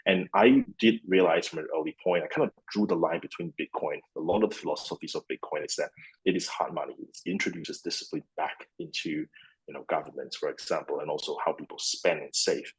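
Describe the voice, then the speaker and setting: A Malaysian man in his thirties, a fund CEO appearing as a guest, answers interview questions at length. His voice is extremely low, brisk and breathy, the recording rough, and he rambles with many restarts and fillers.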